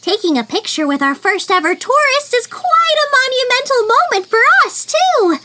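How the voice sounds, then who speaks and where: A woman's voice: extremely high pitch, sing-song, normal speed, very noisy. A woman voicing a sweet, polite young female ape islander in an audio drama. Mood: sweet, grateful. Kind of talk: fan audio drama acting.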